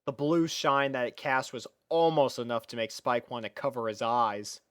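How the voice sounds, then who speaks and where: A woman's voice: extremely low pitch, fairly even intonation, normal speed, smooth, dry recording, clean studio sound. A woman reading a scripted story as its narrator, in storybook style. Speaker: fan fiction narrator.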